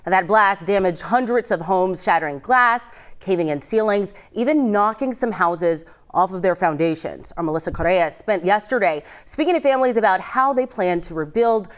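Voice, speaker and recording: A woman's voice: medium pitch, animated, normal speed, few pauses. A woman with an American accent reading scripted morning news as a television anchor in a studio.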